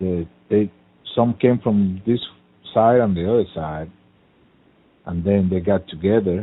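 Speaking with a Spanish accent, a man with a fairly low voice talks at a fairly slow pace with fairly even intonation and long, frequent pauses. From Cuba. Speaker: podcast co-host. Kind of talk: casual chat.

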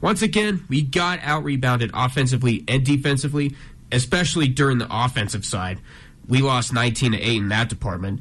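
This man has an ordinary speaking voice at medium pitch with lively intonation. He talks at a fairly quick pace against a quiet background. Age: 20s. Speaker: college radio sports co-host. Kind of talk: casual sports talk.

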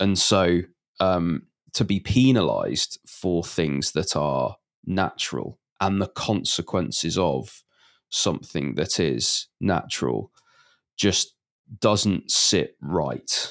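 The speech is very slow, with vocal fry, lively intonation and very even loudness. The recording is very clean, the background silent. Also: man, very deep, low pitch for a man. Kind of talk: casual chat. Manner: animated.

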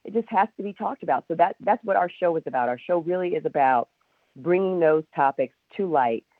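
In an ordinary speaking voice, a woman talks at a fairly quick pace and fairly low pitch with lively intonation. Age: 40s. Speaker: pharmacist and radio host. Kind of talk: casual chat.

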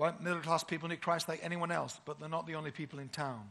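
A man with a Yorkshire accent speaks at a fairly quick pace in a fairly high voice, his tone bright and sharp and his pitch varying in an ordinary way. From Yorkshire, England. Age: 70s. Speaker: pastor. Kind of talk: sermon. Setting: church with audience.

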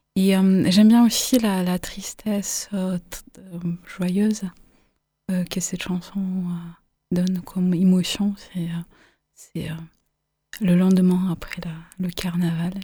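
A woman talks at a very slow pace in a dark, mellow, somewhat breathy tone. Her intonation is monotone and flat, broken by long, frequent pauses. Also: medium pitch for a woman. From Belarus. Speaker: novelist. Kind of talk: interview. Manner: halting.

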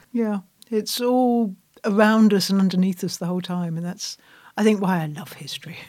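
A woman with an English accent speaks at a medium pitch in a dark, mellow tone. Her loudness swings widely. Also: ordinary pitch variation, moderate pace. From England. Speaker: podcast host. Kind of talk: interview.

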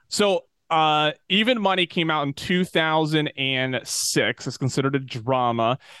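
Fairly high in pitch, a man talks with an ordinary speaking voice. He goes at a fairly slow pace with lively intonation. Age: 30s. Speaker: podcast host discussing gambling movies. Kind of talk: casual chat.

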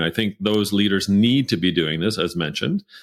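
A man speaks in a normal speaking voice, fairly low in pitch with lively intonation, on a very clean recording with a silent background. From Canada. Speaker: author and keynote speaker. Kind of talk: casual interview.

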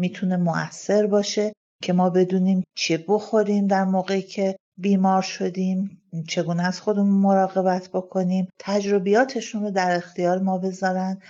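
A woman's monotone, flat intonation at a moderate pace. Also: medium pitch for a woman. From Iran. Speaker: listener. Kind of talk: voice message question.

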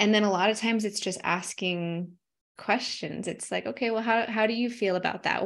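The recording is very clean, and the background is silent. A plain, everyday voice with an American accent speaks at a moderate pace with fairly even intonation. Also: woman. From Montana, US. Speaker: mental performance coach. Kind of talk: interview conversation.

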